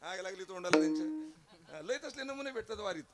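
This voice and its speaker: A man's voice: high-pitched, lively intonation, fairly quick. A man with a Marathi accent giving a devotional kirtan sermon, telling a funny story and acting out its dialogue. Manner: humorous storytelling, acts out dialogue, bursts into chanting. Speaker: kirtan preacher.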